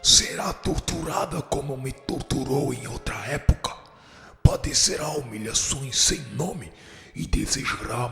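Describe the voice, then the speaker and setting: An actor playing a powerful, vengeful fallen spirit who sets himself up as judge, speaking solemnly and formally in a radio drama. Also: male voice, mid-range voice, creaky, pushed and bright. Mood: vengeful, brooding. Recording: reverberant hall-like echo, music underneath.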